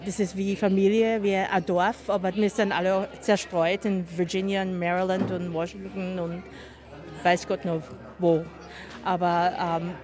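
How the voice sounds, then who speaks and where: A woman's voice: medium pitch, darkish tone. A woman in her fifties from the United States, chatting about herself as an interviewee in a personal, talkative way. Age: 50s. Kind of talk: casual personal account.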